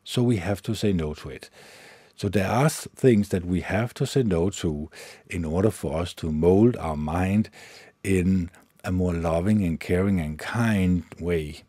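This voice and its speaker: Man with a Danish accent, very deep voice, husky and dark, halting delivery with fillers, dry close mic. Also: no echo. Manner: slow, halting, many fillers and restarts. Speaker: podcast host. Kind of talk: solo meditation podcast talk.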